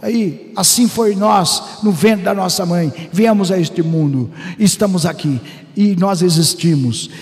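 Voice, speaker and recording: High-pitched fervent Pentecostal preacher man. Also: a little slow, in a large hall. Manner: fervent, shouting bursts and sing-song preaching. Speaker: pastor. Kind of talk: Pentecostal sermon. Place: church hall.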